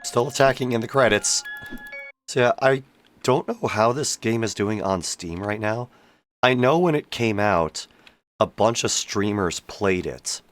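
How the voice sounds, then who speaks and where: A man's voice: fairly low pitch, animated, a little slow, faint music behind. A man giving casual, wry game commentary on a stream, his voice tired and under the weather. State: sick, tired voice after hours of streaming. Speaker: streamer and voice actor.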